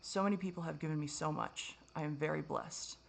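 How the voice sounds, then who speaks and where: A woman's voice: low-pitched, fairly even intonation, fairly quick, creaky. A woman vlogger speaking to camera in a rambling, self-critical confessional monologue, swearing often and restarting her sentences.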